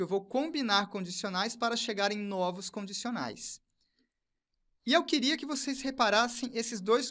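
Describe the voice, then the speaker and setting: A man teaching an online lesson, working through each step methodically and repeating key phrases slowly. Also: high voice, fairly bright tone. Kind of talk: recorded online lesson, explaining on screen.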